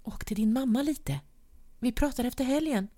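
A woman voicing an evasive young man who talks low and flat. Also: lightly acted. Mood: subdued.

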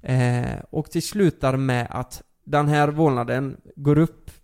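Young man, gravelly voice, casual storytelling, animated and swearing. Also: mid-range voice. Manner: animated, many fillers and swearing.

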